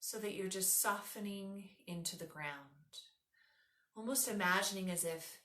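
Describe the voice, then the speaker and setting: A woman teaching yoga nidra, leading a guided meditation in a soothing, instructive, unhurried way. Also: medium pitch, sharp tone, echoey room.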